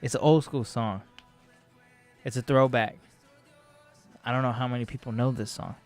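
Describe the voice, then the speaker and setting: A man's voice: mid-range voice, fairly even intonation, normal speed, darkish tone, faint music behind. A man in his twenties hosting a casual Christian radio talk show, teasing his brother and rambling loosely. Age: 20s.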